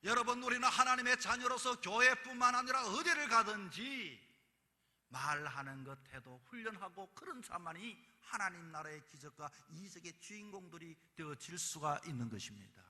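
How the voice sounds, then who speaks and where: A man's voice: high voice, expressive, normal speed, pushed and bright. A male pastor, preaching a sermon in emphatic bursts, recorded in a church. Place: church sanctuary. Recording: long reverb of a church hall.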